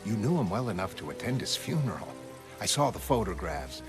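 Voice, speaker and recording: A man's voice: on the low side, very animated, fairly quick. A man voicing a cynical police detective who talks in a dry, streetwise way, over music. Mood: needling. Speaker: motion comic voice actor. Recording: music underneath.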